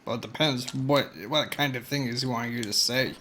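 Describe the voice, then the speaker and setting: A man streaming a game, chatting in a relaxed way with brief replies and asides. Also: mid-range voice, a little fast, slight background noise. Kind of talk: casual live-stream chat.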